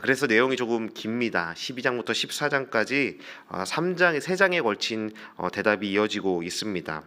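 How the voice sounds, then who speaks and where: Bright-voiced pastor giving a sermon. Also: male voice, mid-range voice, clear, resonant tone. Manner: measured, frequent "eo" fillers, paraphrases scripture conversationally. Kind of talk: morning prayer sermon.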